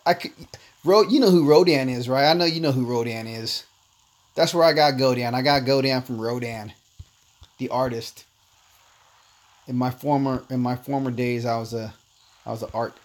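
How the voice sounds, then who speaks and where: A man born in Korea, first language Korean, casually chatting with viewers while streaming a mobile game. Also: mid-range voice. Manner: laid-back, chatty, calls viewers "man", reads chat aloud. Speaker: livestream host. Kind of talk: casual gameplay livestream chat.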